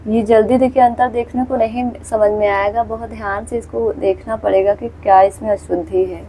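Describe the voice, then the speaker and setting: A woman's voice: medium pitch, steady tone, moderate pace, mellow, a little hiss or hum, rough recording. A woman teaching a Hindi exam-prep lesson, patiently going through questions, repeating words and pointing viewers to the screen. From India.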